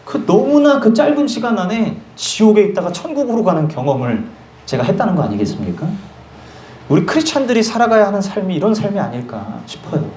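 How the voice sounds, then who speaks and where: Lively young male preacher in an echoey church. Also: sits high, a little fast. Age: young adult. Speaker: pastor. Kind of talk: sermon. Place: small church hall. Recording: echoey church room, faint noise.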